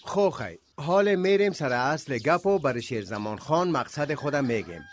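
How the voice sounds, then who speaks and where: A man's voice: mid-range voice, animated, close to an everyday voice. A male actor playing a genial, persuasive village cleric who speaks formally and piously in a radio drama. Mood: earnest. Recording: faint background noise.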